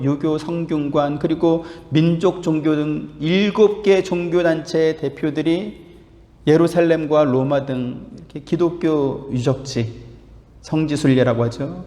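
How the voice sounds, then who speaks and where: Fervent pastor preaching in an echoey church. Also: male voice. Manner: rising to a loud, fervent pitch on key claims. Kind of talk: sermon. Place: church sanctuary. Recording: echoey church hall with long reverb.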